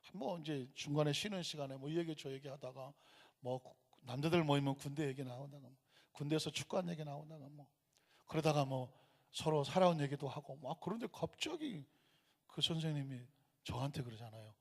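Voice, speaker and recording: A male pastor preaching a sermon in a church, telling a story with sudden loud, emphatic bursts. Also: fairly high pitch, fairly quick. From Gyeonggi, Korea. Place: church sanctuary. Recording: church hall reverb.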